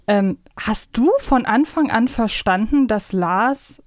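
A woman's voice: a little high, expressive, slow, dry recording, clean studio sound. A woman co-hosting a podcast in casual conversation, often searching for words as they talk. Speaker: podcast co-host. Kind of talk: casual chat about a children's audio series.

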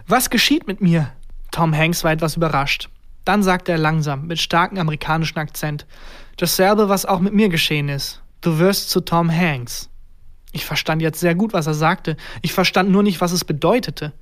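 A storyteller narrates a first-person tale from a script, at a measured, unhurried pace. The voice sits at a middle pitch, neither high nor low. It keeps a steady reading cadence throughout.

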